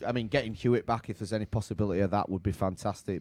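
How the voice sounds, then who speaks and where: A man with a British accent speaks at a very fast pace in a fairly low, dark, mellow voice with ordinary pitch variation, the sound dry and close with no echo and the recording very clean over a silent background. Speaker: producer and co-host. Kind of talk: live-streamed sports chat. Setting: live stream.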